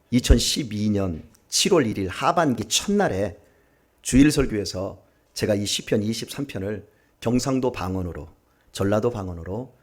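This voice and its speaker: A man preaching a Sunday sermon as pastor, reading a psalm aloud in regional dialects with lively, rising energy. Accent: Gyeongsang Korean, put on for a reading. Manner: lively, raises pitch and volume when reading dialect. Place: church sanctuary.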